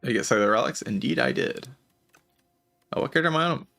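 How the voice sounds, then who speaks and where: A man livestreaming a game and chatting casually, with heavy vocal fry, a low-energy hesitant delivery and a voice strained by a lingering cough. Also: animated, fast, pushed and bright, soft background music. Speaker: game streamer. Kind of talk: casual livestream chat while playing a game.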